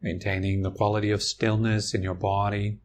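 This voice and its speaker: A man guiding a meditation, speaking slowly and calmly, with long pauses between phrases. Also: lowish voice, slight background noise. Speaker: meditation teacher. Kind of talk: guided meditation.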